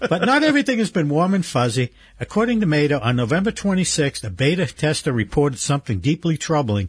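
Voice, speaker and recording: A man with a fairly high voice rushes along very fast, almost never pausing, his pitch leaping widely while his volume stays very even and his tone is somewhat breathy. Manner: conversational, easygoing, chatty with humor.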